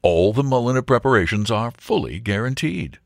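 A man's voice: medium pitch, expressive, normal speed, vocal fry, dry recording, clean studio sound. A man voicing an earnest young suitor with formal, precise salesman's patter in a comic storybook. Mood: confident, salesmanlike.

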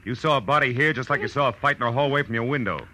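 An actor playing a tired, brusque, wisecracking private detective in a 1940s radio drama. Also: male voice, mid-range voice, very fast, pushed and bright, lightly acted. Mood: weary, sardonic. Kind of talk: 1940s radio drama acting and first-person narration. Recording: old radio recording with music.

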